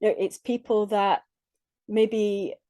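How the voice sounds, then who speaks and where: A middle-aged woman, a relationship coach, speaking earnestly and reflectively in short halting phrases with restarts. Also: mid-range voice, little pitch movement, no room sound, studio quality. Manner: earnest, reflective, with frequent soft laughs. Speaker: relationship coach, podcast guest. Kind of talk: conversational interview.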